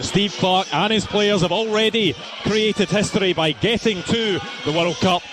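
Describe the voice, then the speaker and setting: A Scottish man presenting a live sports radio show from a city square, in an upbeat broadcast manner. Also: on the high side. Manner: upbeat, scripted broadcast delivery. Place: outdoor city square venue. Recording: live outdoor broadcast with street noise.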